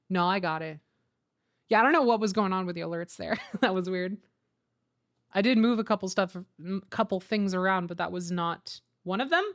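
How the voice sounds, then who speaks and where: A woman streamer chatting casually and informally to viewers, often thinking aloud, on a close mic. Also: lowish voice. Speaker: streamer and host. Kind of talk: casual livestream chat.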